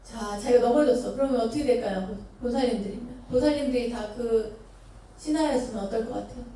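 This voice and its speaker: Speaking a little fast in a dark-toned, higher-pitched voice, a nun from Chungcheong Province, Korea, narrates a story as part of her sermon and keeps questioning her listeners. She is in a temple dharma hall before an audience, captured from afar in an echoey space with slight background noise.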